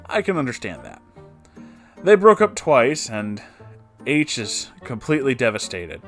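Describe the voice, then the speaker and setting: A man narrator reading a written personal story aloud, with brief asides of his own. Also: medium pitch. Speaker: narrator reading online stories.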